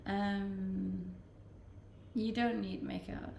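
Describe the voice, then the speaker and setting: A woman's voice: mid-range voice, fairly even intonation, very slow, creaky, warm tone, reverberant, a little hiss or hum. A woman from Denmark with a Danish accent, chatting casually on a live stream as she reads out viewer comments and answers them, laughing often. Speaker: Twitch streamer.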